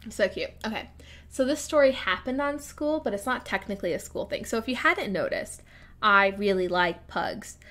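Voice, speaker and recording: A woman's voice: medium pitch, normal speed, a bit bright. Young woman, 20s, chatty vlog voiceover, giggly, filler-heavy. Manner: bubbly, giggly, lots of "like". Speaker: speed-build vlogger. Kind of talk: casual storytelling voiceover. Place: home room.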